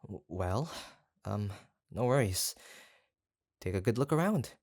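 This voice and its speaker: An obsessive yandere kidnapper from a roleplay audio drama, acted by a voice performer, speaking slowly in a creaky, fry-laden voice. The delivery is doting and possessive, yet awkward and hesitant, rambling along in a close, dry recording. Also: sits low, lively intonation, dry recording, full character voice. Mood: relieved, doting. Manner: hesitant, rambling, soft-spoken menace with nervous chuckles.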